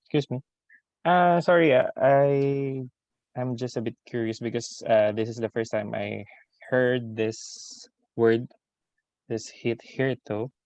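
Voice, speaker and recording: A man's voice: mid-range voice, steady tone, measured pace, a little mellow, dry recording, low-quality recording. A man speaking as a trainee in an online class, asking questions in a polite, hesitant, apologetic way.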